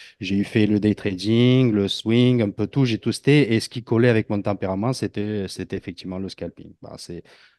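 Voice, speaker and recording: Fairly low-pitched male voice with a dark, mellow tone, fairly even intonation and big swings in loudness, at a moderate pace with hardly any pauses, dry and close with no echo against a quiet background. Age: 40s. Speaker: scalp trader. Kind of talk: interview conversation.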